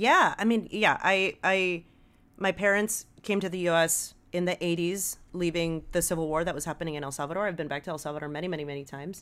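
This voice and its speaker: This woman has an American accent and a fairly low pitch. She talks at a fairly quick pace in a very clean recording with a silent background. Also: ordinary pitch variation. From US, South Central Los Angeles. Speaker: podcast development executive and writer. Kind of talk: casual chat.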